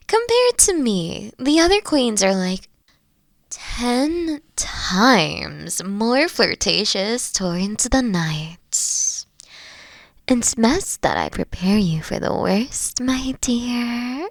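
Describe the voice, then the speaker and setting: Slow, intimate queen played by a woman. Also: mid-range voice, dry recording, studio quality, exaggerated voice. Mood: teasing, flirtatious. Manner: slow, soft-spoken, drifting into breathy whispers. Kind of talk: scripted roleplay audio drama, intimate one-on-one.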